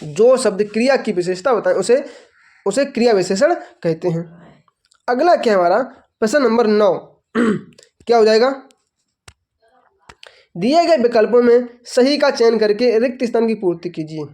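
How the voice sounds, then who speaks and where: Male online tutor with a high voice, drilling exam answers by asking and repeating. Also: animated, measured pace, long pauses, darkish tone. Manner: asks the class rhetorical questions and answers them himself; repeats each answer for emphasis. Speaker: online teacher. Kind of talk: exam-prep lesson.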